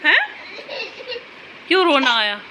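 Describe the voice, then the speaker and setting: A chatty woman talks through her evening at home, coaxing her little ones along. Her voice sits a bit high. The phone recording has a steady hum of household noise behind her. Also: takes it slowly, rough recording. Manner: chatty, coaxing and soothing toward her children. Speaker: mother and family vlogger. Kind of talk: casual home vlog talk. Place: home indoors at night.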